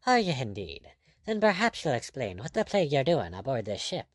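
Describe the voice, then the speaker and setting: A man voicing a cool, courteous, mocking pirate captain, quietly firm and sardonic, in an audiobook adventure story. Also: mid-range voice, very animated, normal speed, no room sound, studio quality. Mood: brusque.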